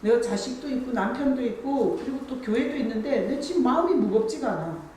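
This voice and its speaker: A woman's voice: a little high, animated, a little fast, warm tone, slight background noise. Woman pastor, chatty emphatic sermon, echoey hall, mic set back from her. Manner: conversational preaching, acts out dialogue with God, rising to emphatic. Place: church sanctuary. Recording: echoey church from a distance.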